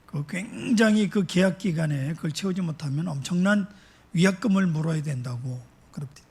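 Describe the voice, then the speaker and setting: A male pastor delivering a slow, emphatic sermon to his congregation, asking rhetorical questions. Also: on the high side, a little mellow, slightly rough.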